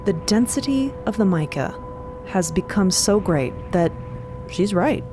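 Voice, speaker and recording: A woman's voice: mid-range voice, animated, a little slow, music in the background. A woman narrating an adventure story for a fiction podcast in dramatic present tense.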